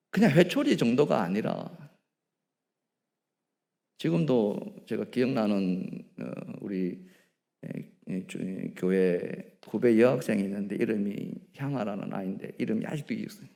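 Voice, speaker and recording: A man preaching a sermon as a pastor, animated and emphatic, often asking his congregation questions and dropping to quieter asides. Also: mid-range voice, measured pace, gravelly, in a large hall. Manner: asks the congregation frequent questions. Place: church sanctuary.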